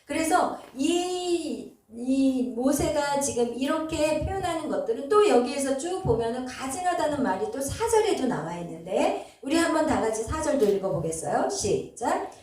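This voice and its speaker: A woman pastor teaching a Bible passage to her congregation, explaining as she goes with frequent pauses and fillers. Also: high-pitched, sing-song, darkish tone. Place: church sanctuary. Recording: very echoey hall, voice from far off.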